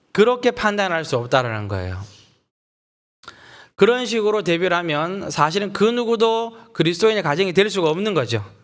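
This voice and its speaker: A man with a high voice speaks at a moderate pace with lively intonation, leaving long, frequent pauses amid audible room echo. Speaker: guest pastor. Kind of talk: sermon. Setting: church. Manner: strong intonation, not soft.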